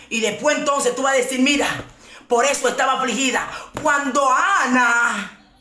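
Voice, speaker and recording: A woman preaching a passionate sermon, often shouting and repeating her lines for emphasis. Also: a little high, reverberant. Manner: impassioned, shouting preaching with repetitions. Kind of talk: fiery sermon.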